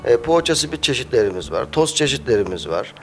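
Faint music and slight background noise surround this cafe owner in his thirties as he answers an interviewer's questions into a handheld mic in his small cafe. He hesitates with many fillers, speaking quickly in a mid-range voice with big pitch swings.

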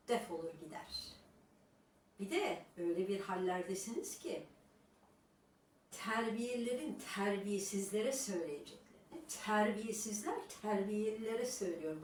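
A woman's voice: mid-range voice, a little mellow. Woman vlogger berating critics, scornful lecturer's tone, recorded a bit far from the mic in an echoey room with faint hiss. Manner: scornful, lecturing, with repeated rhetorical "Ha?". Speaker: YouTuber addressing her critics. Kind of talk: scolding monologue to viewers.

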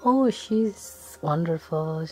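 A woman voicing a middle-aged man who meets his old sweetheart at a cafe, in a soft, breathy, subdued whispered role-play. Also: lowish voice, animated, very slow, heavily acted. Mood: reminiscing. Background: faint jazz music.

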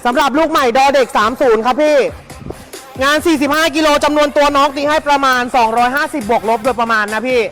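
A live-stream seller giving a fast, hyped sales pitch for second-hand clothing, chatty and persuasive, repeating phrases for emphasis. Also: fairly bright tone, faint music behind.

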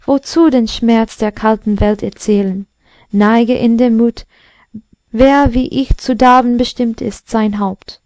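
A woman's voice: a little high, fairly even intonation, slow pace, a little mellow, no room sound. A woman voicing a mournful little porcelain pot that sings its lament in a storybook reading. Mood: plaintive. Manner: plaintive, singing lament.

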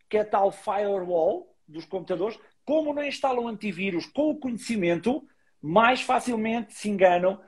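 High-voiced Portuguese man explaining eagerly. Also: darkish tone. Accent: European Portuguese. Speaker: body language expert guest. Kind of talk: casual interview over a live video call.

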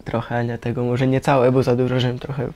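A man's voice: medium pitch, completely flat delivery, a little fast, a little mellow. A young man chatting casually, in a loose, rambling and colloquial way. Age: young adult. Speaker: participant in a youth centre audio documentary. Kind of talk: casual chat.

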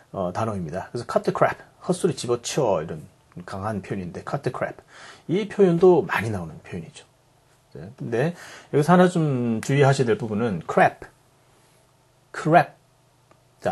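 A man with a rough, husky voice teaches everyday English expressions. He explains each phrase in Korean, then repeats it in English with a pitch that rises and falls a lot.

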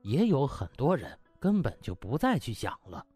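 A man narrating a comic web novel as an audiobook in a lively storytelling style. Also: mid-range voice, normal speed, slightly rough, dry recording, faint music behind.

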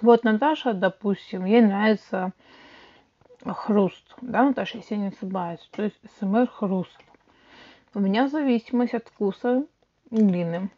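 A woman streamer talks to her viewers in a relaxed, chatty way while chewing clay, so her words come out around it. Her voice sits at a middle pitch, and the audio is a bit dull and lo-fi. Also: measured pace. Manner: chatty, addresses viewers directly. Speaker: livestream host. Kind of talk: casual livestream chat with viewers.

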